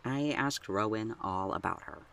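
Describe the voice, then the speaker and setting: A woman playing an anxious, soft-hearted young driver in an audio drama, with a hesitant, stammering delivery. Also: a bass voice, moderate pace, creaky, heavily acted. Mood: teasing.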